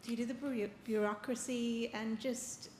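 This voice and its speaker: A soft-spoken woman asking a question from the audience. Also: on the high side, fairly even intonation, measured pace. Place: event hall. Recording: echoey room with clear noise.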